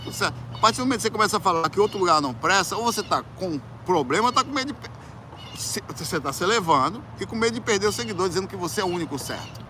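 This musician speaks in a high voice at a rapid-fire pace, his Brazilian Portuguese accent clear as he shares a personal story. Animated and colloquial, he voices other characters with loud outbursts, and a little hiss or hum runs under the recording.

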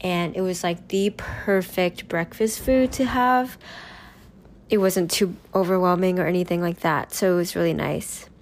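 Her voice lowish and a little slow, this young podcast host is recovering from a cold. She talks alone on her casual show, upbeat and rambling.

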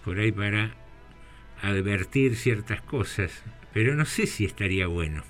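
A man's voice: on the low side, expressive, moderate pace, a bit bright, soft background music. A man with an Argentine Spanish accent hosting a casual podcast conversation, chatty and leading the topics with questions. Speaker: podcast host.

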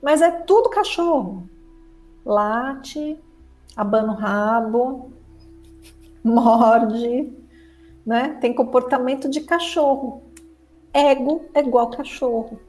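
A woman gives a lively spiritual talk to her viewers. Her voice sits high but has a warm, mellow tone, and she acts out the chatter of the mind with expressive swings. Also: slow, pauses often, poor audio. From Brazil. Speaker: spiritual teacher and therapist.

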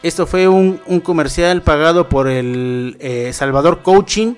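A Mexican man with a fairly high voice co-hosts a loose chat. He mixes joking asides with thoughtful points. Faint music sits in the background. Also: a little slow, smooth. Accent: Mexican Spanish. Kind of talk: casual chat.

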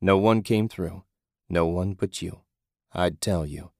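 A man playing a grim, calm blind guide. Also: slow, creaky, no room sound, studio quality, full character voice. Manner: calm, low, matter-of-fact.

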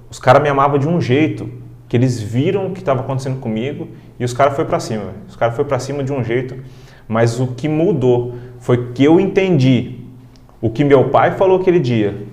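A man's voice: medium pitch, darkish tone. Guy telling an emotional story in a casual chat, echoey room. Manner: emotional, heartfelt, frequent "cara". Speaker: guest. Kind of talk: casual storytelling in a podcast interview.

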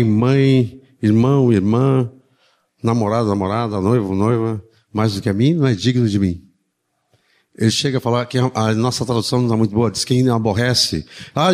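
A man's voice: mid-range voice, darkish tone. Man, chatty sermon, asks little tag questions, joking asides. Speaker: preacher. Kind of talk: informal sermon.

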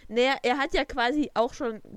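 A woman's voice: high voice, brisk, clear, resonant tone, no echo. A teenage girl co-hosting a podcast, retelling a story loosely and using lots of filler words. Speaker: podcast co-host. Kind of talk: casual chat.

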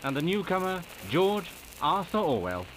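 A man's voice: high voice, sing-song, normal speed. An actor playing a formal, declamatory male election-night news announcer in a comedy audio drama. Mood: formal, excited. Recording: noisy crowd behind the announcer.

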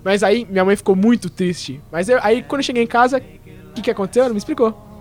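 A man's voice: high-pitched, fast talker, faint music behind. A young man telling a self-mocking story in a casual podcast chat. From Diadema, São Paulo, Brazil. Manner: animated, self-mocking, laughs into his stories.

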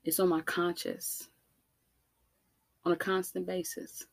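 Low, gravelly African American woman, emphatic. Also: level tone, no echo. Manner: emphatic, deliberate, rhetorical questions and repetition. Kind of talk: impassioned spoken monologue to listeners.

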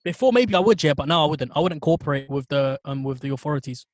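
A man's voice: a little high, animated, quick pace, dry recording. A man with a London roadman accent, chatting and arguing casually in street slang. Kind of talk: casual chat, debating.

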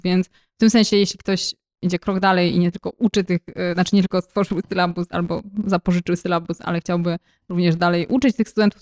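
A young woman co-hosting a podcast in casual conversation, explaining things at length with frequent hesitations and fillers. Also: lowish voice. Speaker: podcast co-host.

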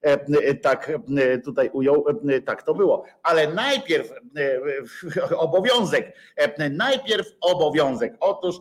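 A man's voice: fairly high pitch, animated, slow. A man hosting a casual livestream chat, rambling and self-mocking with many filler sounds, sore and bruised. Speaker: livestream host. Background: dog present.

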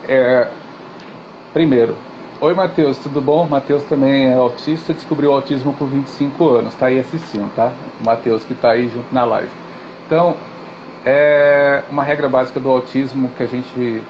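A man, a guest teacher in a live interview, talking casually and acting out gestures and quotes as he tells stories. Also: medium pitch. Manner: animated storytelling with gestures and acted quotes. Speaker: guest, swimming and physical education teacher. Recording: dull, slightly noisy audio.

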